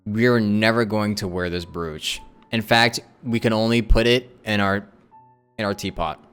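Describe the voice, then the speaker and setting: A man's voice: fairly low pitch, fairly even intonation, unhurried, fairly bright tone, clear, resonant tone. A young man giving casual livestream commentary on a game in an informal, slangy way. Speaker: game streamer. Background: faint game music.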